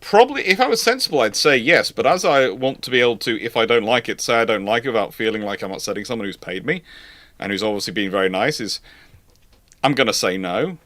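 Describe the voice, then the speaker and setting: Man chatting casually in halting bursts, dry sound. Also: medium pitch, expressive, fairly bright tone, no echo. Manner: halting, rambling, repeats and rephrases words. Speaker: livestream host, naval historian. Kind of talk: casual chat, answering viewer questions.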